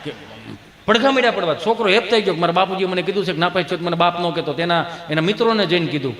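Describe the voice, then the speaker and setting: A man performing live comic storytelling on stage, animated and slipping into squeaky voices for the people in his jokes. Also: racing. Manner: animated, acts out quoted voices with high falsetto squeals. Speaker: stand-up comedian. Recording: echoey hall with faint crowd ambience.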